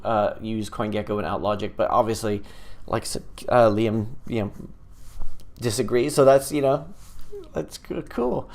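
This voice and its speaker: A middle-aged man hosting a casual live stream, chatting loosely with many pauses and restarts. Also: mid-range voice. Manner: rambling and hesitant, many fillers and restarts. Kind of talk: casual live-stream chat, reading viewer comments.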